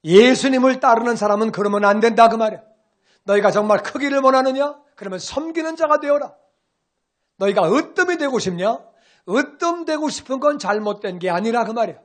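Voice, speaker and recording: High-voiced animated Korean pastor preaching. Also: male voice, brisk. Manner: animated preaching, colloquial asides, acts out quoted voices. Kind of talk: sermon.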